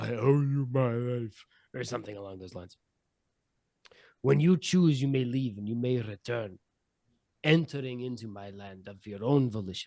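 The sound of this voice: Using a rumbling, put-on character voice at medium pitch, a man speaks at a moderate pace with ordinary pitch variation, big swings in loudness, and long, frequent pauses.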